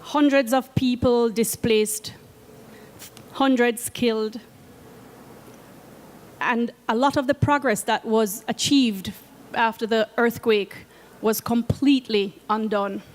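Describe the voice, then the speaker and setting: A woman with a Jamaican accent giving a prepared talk as a program head, earnest and measured. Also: on the high side, steady tone, long reverb tail, slight background noise. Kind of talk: prepared presentation. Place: event space at a conference.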